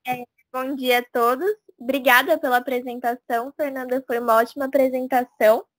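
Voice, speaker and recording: A woman's voice: sits high, fairly even intonation, brisk, a little hiss or hum. A young student mediator, a woman, asking questions politely and formally. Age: teenager.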